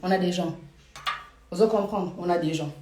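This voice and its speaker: A woman's voice: lowish voice, a little fast, echoey room, far from the mic, noisy background. A woman live-streaming to her followers in Paris, talking casually and emphatically, repeating her points for force. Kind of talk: casual live chat, mixing French and Lingala.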